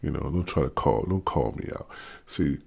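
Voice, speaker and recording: A man's voice: a bass voice, lively intonation, moderate pace, vocal fry, warm tone, breathy edge. A man about fifty with a DC-area accent, ranting bluntly to camera and stumbling over restarts in an unscripted vlog. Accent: Maryland / Washington DC area. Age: 50s. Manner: blunt, repetitive, stammers on restarts. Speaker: vlogger. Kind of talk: unscripted opinion rant.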